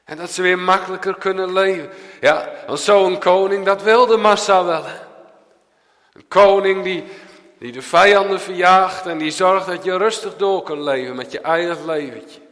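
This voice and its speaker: Brief: male preacher, sermon delivery, high voice, slow and deliberate, rhetorical questions, big hall reverb. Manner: rhetorical questions, swings between loud and hushed.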